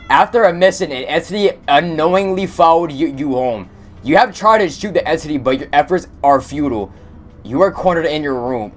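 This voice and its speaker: A young man casually commentating on a game stream, using slang and talking excitedly to his chat. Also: a little high. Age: young adult. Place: indoor room at streaming setup.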